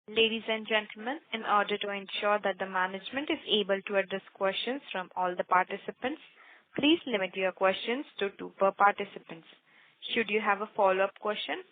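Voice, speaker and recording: A woman making formal, scripted announcements as a conference call operator. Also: medium pitch. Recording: dry narrow phone line.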